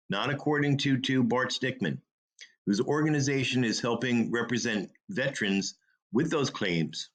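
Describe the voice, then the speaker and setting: A man hosting a talk show, giving opinionated commentary in an emphatic way with rhetorical questions and short, punchy repeats. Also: mid-range voice.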